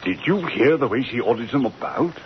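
Actor as a scornful gossip, muffled. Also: male voice, medium pitch, lively intonation, brisk, lightly acted. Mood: mocking. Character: scornful gossiping young male tennis guest. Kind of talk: old-time radio drama acting. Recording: muffled, noisy old radio recording.

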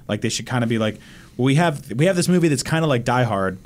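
A man's voice: medium pitch, expressive, quick pace. A man talking casually as one of a podcast panel. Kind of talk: casual chat.

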